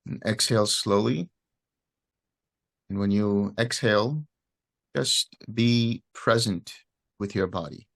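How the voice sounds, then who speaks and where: A man leads a guided meditation in a fairly low voice. He talks very slowly and gently, pausing between short phrases as he gives each instruction. The sound is dry, with little room around it. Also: vocal fry, no room sound. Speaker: meditation teacher.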